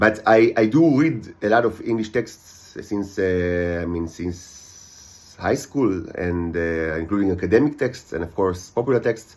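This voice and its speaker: In an Israeli accent, a man with a fairly low pitch speaks at a fairly slow pace with lively intonation and hardly any pauses. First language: Hebrew. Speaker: YouTuber. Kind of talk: monologue to camera. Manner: halting; slower than usual.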